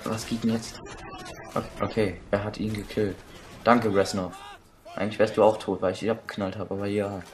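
A young man giving crude, excitable commentary while playing a shooter, swearing and shouting at enemies. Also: on the low side. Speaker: let's play gamer. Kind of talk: casual gameplay commentary.

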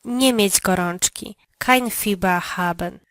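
A woman answering drill prompts in a language lesson, speaking slowly and clearly. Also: medium pitch, a bit bright, no room sound.

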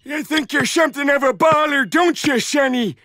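A feisty cranky old timer. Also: male voice, extremely high pitch, moderate pace, sharp tone, faint music behind. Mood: taunting. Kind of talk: character demo reel acting.

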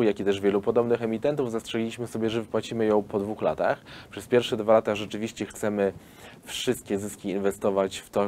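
A man in his thirties with a fairly low voice lays out his company's plans in a seated studio interview. He talks at length, explaining steadily but filling gaps with ums and restarts. A faint hiss sits under the recording. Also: a little mellow. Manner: explanatory, hesitant with frequent fillers. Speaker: film studio founder pitching investors. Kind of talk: business interview. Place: film studio hall.

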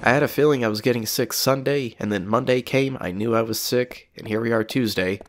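A man's voice: medium pitch, fairly quick, slight background noise. A man with a cold, sniffling as he chats casually and rambles while playing a video game. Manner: rambling, chatty, swears casually. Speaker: gameplay commentator. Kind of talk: casual let's play commentary.

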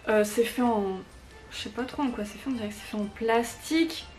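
A young woman talks through a product review vlog in a relaxed, chatty way, stopping often to hunt for the next word. Her voice sits a little high for a woman. Faint music plays softly underneath. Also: fairly quick. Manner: chatty, frequent hesitations, enthusiastic about small items. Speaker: YouTuber reviewing gifts. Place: home room full of fairy lights.

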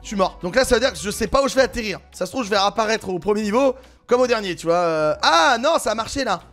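A man with a French accent giving excited gameplay commentary, exclaiming and laughing often as he plays. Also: high voice, fast talker, faint music behind. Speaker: gaming YouTuber.

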